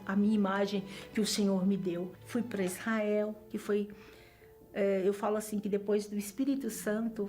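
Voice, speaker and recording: A woman's voice: mid-range voice, darkish tone. A middle-aged Brazilian woman giving an earnest, emotional religious testimony, often repeating phrases for emphasis. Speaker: church member giving testimony.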